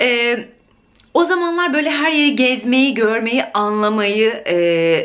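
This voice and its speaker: A woman with a high voice speaks at a very slow pace. Her pitch swings very widely. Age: 30s. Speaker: beauty and perfume vlogger. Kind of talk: casual vlog talk to camera.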